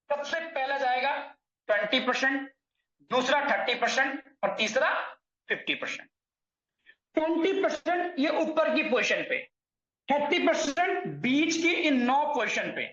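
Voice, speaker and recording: High-voiced man explaining a plan. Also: fairly bright tone. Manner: repeatedly addresses listeners as friends, corrects himself on numbers. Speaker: presenter explaining an earning plan. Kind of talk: explanatory talk to viewers. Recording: echoey room, dull lo-fi sound.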